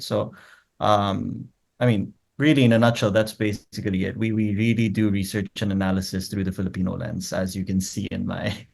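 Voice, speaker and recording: Speaking with a lowish, creaky, darkish voice, a Korean guest researcher talks through an interview conversationally. A native Korean speaker, he breaks his thinking into numbered points and keeps checking in with quick tag questions.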